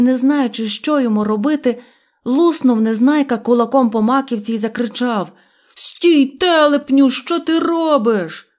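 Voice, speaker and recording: A woman reading a children's storybook aloud with a lively, expressive delivery. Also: fairly high pitch. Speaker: audiobook reader. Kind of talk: storybook narration.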